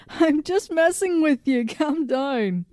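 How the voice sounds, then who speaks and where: A woman playing a cocky half-robot cyborg in an audio drama, teasing in a relaxed, deadpan way. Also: sits high, extremely slow, dry recording, clean studio sound, exaggerated voice.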